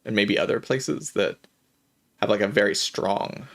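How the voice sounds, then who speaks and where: A man livestreaming a game and chatting casually, with heavy vocal fry, a low-energy hesitant delivery and a voice strained by a lingering cough. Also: a little slow, fairly bright tone. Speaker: game streamer. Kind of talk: casual livestream chat while playing a game.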